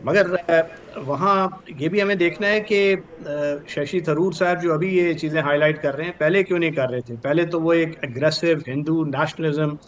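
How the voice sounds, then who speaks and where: An older man with a Pakistani accent gives formal, measured news analysis as a guest expert, dropping in English terms. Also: fairly high pitch, lo-fi sound. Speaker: retired brigadier, news analyst. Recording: clearly noisy with background ambience.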